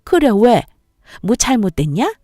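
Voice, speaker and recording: Brief: woman voicing a bullying older mother-in-law, harsh and insulting, mellow tone, dry read for a storybook narration. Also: on the high side, big pitch swings, a little slow, dry recording, pitched above the performer's own voice. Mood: scolding.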